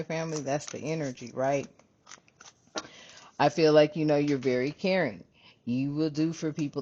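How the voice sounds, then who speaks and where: Animated, low-voiced woman doing a spiritual reading. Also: lo-fi sound. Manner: animated, profane, calls viewers family. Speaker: spiritual reader, channel host. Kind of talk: casual spiritual reading monologue.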